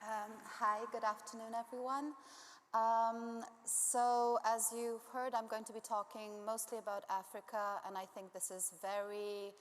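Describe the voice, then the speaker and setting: A woman's voice: fairly high pitch, little pitch movement, measured pace. A woman from Zambia giving a conference talk as a climate campaigner, speaking hesitantly with many ums and uhs. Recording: long reverb of a large hall.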